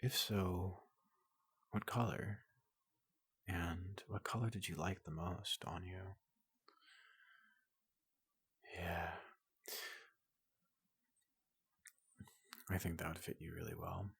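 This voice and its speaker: A man voicing a tall, gentle robot doctor in soft ASMR roleplay, hesitant and politely clinical, often slipping into a whisper, close to the microphone. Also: low-pitched, steady tone, unhurried, no echo, full character voice. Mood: curious, soothing. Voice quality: breathy, gravelly, often dropping into whisper.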